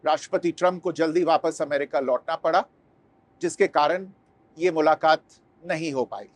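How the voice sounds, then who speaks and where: A man reads a formal scripted statement like an official spokesperson, in a measured, deliberate way, phrase by phrase. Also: on the high side.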